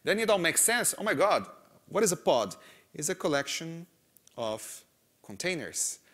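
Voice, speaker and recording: A man in his thirties with a Brazilian Portuguese accent, speaking English as a second language. His voice sits slightly high. He runs a conference breakout talk on stage through a close mic, animated and full of "uh" and "right?". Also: unhurried. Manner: animated, gestures a lot, frequent "right?" and "uh" fillers. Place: large conference hall stage.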